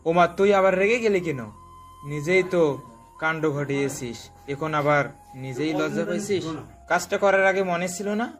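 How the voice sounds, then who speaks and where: Brief: man as mischievous brother-in-law, slightly high voice, mocking and exclamatory. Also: moderate pace, over music, lightly acted. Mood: teasing.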